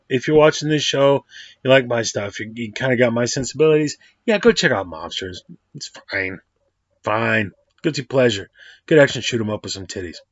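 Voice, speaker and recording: A man's voice: mid-range voice, no echo. Rambling, slangy man reviewing a movie. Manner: rambling, slangy, self-correcting. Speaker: host of a movie review channel. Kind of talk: casual movie review vlog. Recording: dry, slightly dull lo-fi audio.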